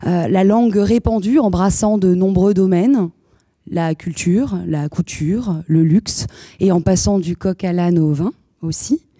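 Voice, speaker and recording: Speaking at a fairly slow pace, a woman uses a medium pitch and a dark, mellow tone with ordinary pitch variation. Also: dry, close sound with no echo, very clean recording, silent background. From France. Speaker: speaker introducing a business event. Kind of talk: televised introductory speech.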